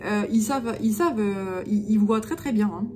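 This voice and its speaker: A woman's voice: mid-range voice, moderate pace, a little mellow. Hesitant woman with a Jura accent. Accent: Jura French. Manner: hesitant, many fillers and restarts; self-mocking humor. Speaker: spiritual channeler. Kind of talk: unscripted channeled guidance reading.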